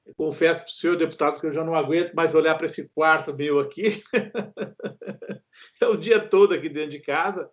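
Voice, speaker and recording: A man's voice: on the high side, steady tone, normal speed. An older man with a Brazilian accent interviewing someone casually over a dull, lo-fi call from home. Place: room at home.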